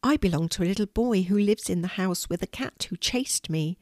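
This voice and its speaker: A woman voicing a tiny, timid female white mouse with a soft, squeaky, nervous voice. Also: a little fast, no echo, studio quality, lightly acted. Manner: stammering, nervous.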